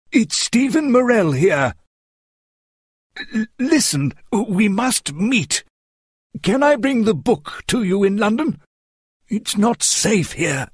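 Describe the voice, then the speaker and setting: A narrator voicing an excitable, anxious man who studies mysteries, speaking with urgent exclamations in a storybook. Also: medium pitch, husky, no echo, clean studio sound, pitched above the performer's own voice, full character voice. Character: Uncle Stephen, excitable, anxious male amateur mystery scholar. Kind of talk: acted storybook dialogue.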